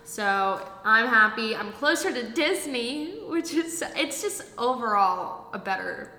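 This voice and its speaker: A young woman co-hosting a casual podcast, bubbly and excitable, her voice echoing as in a big empty hall of an unfurnished apartment. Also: a little high, a little slow. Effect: big hall-like echo of an empty room. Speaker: podcast co-host. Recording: echoey empty room, roomy reverb, faint noise.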